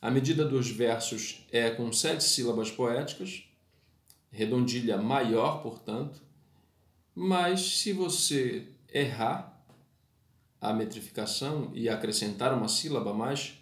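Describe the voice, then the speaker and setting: A man's voice: mid-range voice, unhurried, echoey room. A man teaching a poetry lesson, explaining verse meter in a didactic way and speaking formally to his listeners. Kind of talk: spoken lesson with sung verses.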